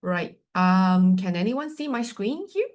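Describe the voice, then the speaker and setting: A woman's voice: medium pitch, measured pace. A woman from Malaysia with a Malaysian accent, giving a chatty, playful webinar presentation over a video call. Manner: chatty, lively, with a light playful tone. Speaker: university representative presenting to agents.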